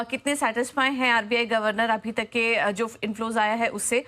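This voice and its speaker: A woman's voice: a little high, a bit bright. A young adult woman giving a live business news report, with frequent filler sounds and restarts.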